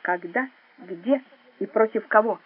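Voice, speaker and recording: A composed, cold-blooded secret agent, played by a woman reader, speaks quietly, in measured and mocking words. The voice sounds husky and breathy. The audio is narrow and phone-like, and it plays as an audiobook. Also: high-pitched. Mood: cool.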